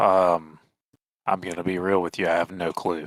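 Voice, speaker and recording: A put-on character voice, raspy and delivered at a moderate pace. The intonation stays flat and monotone. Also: man, very deep, low pitch for a man. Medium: actual play. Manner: stammering, hesitant.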